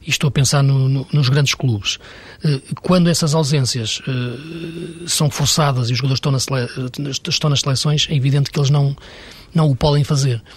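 A man's voice: mid-range voice, fairly even intonation, brisk, husky. A man, a football pundit arguing his points on a studio panel, hesitating and restarting often. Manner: hesitant, many restarts, argumentative.

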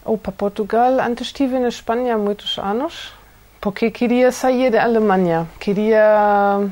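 German woman, halting and searching. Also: on the high side, darkish tone. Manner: hesitant, searching for words. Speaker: interviewee, craftswoman. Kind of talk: casual interview.

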